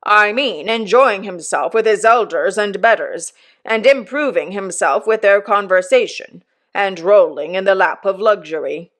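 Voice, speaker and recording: A pompous, self-satisfied old uncle, put on by a woman reading a novel aloud. He speaks slowly and emphatically, as if every remark were a moral lesson. His voice sits a little higher and louder than the narrator's own. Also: close to an everyday voice. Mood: pompous lecturing. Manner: slow, emphatic, lecturing.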